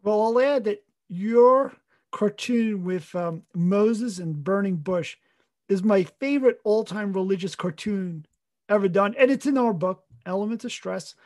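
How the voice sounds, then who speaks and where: A man co-hosting a relaxed cartoonist podcast. He talks earnestly and wanders through his points, often stopping to correct himself. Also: sits high, a little slow. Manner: earnest, rambling, self-correcting. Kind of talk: casual chat.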